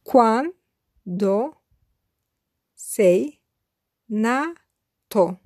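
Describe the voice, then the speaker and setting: A woman teaching a beginner language lesson, speaking slowly and deliberately and repeating phrases piece by piece. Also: a little high, lively intonation, darkish tone, dry recording, clean studio sound. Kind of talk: slow scripted language lesson.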